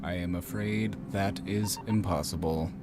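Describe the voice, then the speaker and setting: A man voicing a calm male ship computer in a robot voice, with flat, formal, measured delivery. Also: sits low, over loud music. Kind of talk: channel trailer skit.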